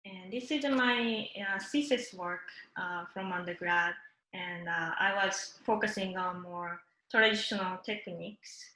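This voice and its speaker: A woman from Japan with a Japanese accent, presenting her work in English, which is not her first language, in a halting way with many fillers and restarts. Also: lowish voice, pushed and bright, roomy sound, rough recording. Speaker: guest artist.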